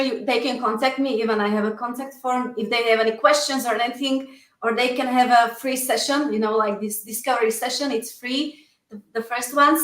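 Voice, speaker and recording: A woman with a Slovak accent talks earnestly as an interview guest. Her voice sits high, and "you know" fills her sentences. The room adds a clear echo. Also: a bit bright. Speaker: guest coach. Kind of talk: casual interview talk.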